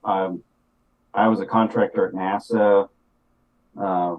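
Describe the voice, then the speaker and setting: Low-voiced engineer on a muffled call. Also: male voice, little pitch movement, slight background noise. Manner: plain, matter-of-fact, halting. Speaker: mechanical engineer guest. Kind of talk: casual technical talk.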